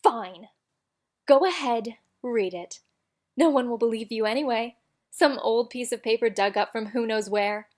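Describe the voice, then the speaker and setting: A haughty female college official acted by a woman in an audio drama. Her voice sits fairly high, and she speaks imperiously, scornful and ready to threaten. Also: unhurried, darkish tone, natural voice.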